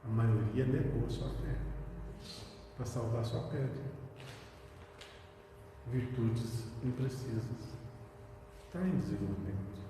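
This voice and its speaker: In the meeting hall of a spiritist center, a male lecturer gives a study talk, reading short passages aloud and unpacking them with rhetorical questions. His medium-pitched voice is expressive and slow with frequent pauses, picked up from far away in an echoey hall with background noise.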